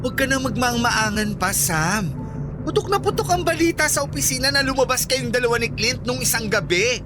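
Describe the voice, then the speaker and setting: A performer acting a jealous, sharp-tongued, wounded gay office worker in an accusing, sarcastic Filipino radio drama style. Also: mid-range voice, animated, a little fast, music in the background, natural voice. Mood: accusing, bitter. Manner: accusing, sarcastic, emotionally escalating.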